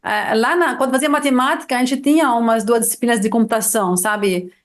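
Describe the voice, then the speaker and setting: Brief: middle-aged woman, high voice, Arabic native speaker from Lebanon, chatty guest, lively storyteller with restarts. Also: fairly quick. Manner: lively storyteller, many restarts and "sabe?" tags. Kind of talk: casual interview chat.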